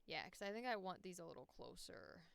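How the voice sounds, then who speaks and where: A woman's voice: on the low side, very animated, a little fast, gravelly, smooth, no room sound. A woman voice actor chatting casually on a livestream, informal and sweary, thinking aloud as she works. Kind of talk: casual livestream chat while editing audio.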